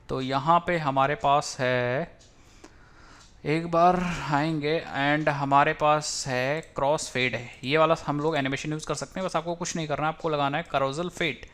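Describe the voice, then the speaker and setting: A man's voice: a little high, fairly bright tone. Man in a casual coding walkthrough. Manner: casual, thinks aloud, mixes English terms into Hindi. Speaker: coding tutor. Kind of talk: screen-recorded coding tutorial.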